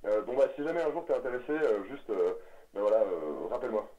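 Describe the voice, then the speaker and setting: Un homme au téléphone pour un canular, au débit hésitant et un peu récité. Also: male voice, medium pitch, very animated, fast talker, mellow, lightly acted. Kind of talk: prank phone call recording. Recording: dull lo-fi audio.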